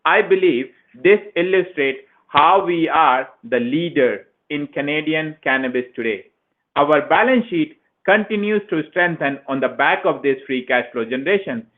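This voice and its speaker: A man's voice: on the high side, expressive, normal speed. A man, a finance executive, formally reading scripted remarks on an earnings conference call. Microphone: conference call phone line. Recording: tinny narrowband phone line.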